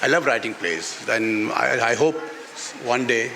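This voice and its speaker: Speaking off the cuff in a mid-range voice, a Pakistani-accented author and playwright is interviewed on a festival stage before an audience at a book event. He's halting and repeats phrases for emphasis. The sound carries hall reverb with faint background noise.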